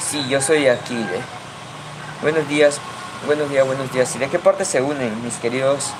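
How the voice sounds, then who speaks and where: Over noticeable background noise, a man with a fairly high pitch talks at a moderate pace with ordinary pitch variation and long, frequent pauses. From Peru, central jungle (Asháninka). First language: Asháninka (speaking Spanish). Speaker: content creator, livestreamer. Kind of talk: casual livestream chat.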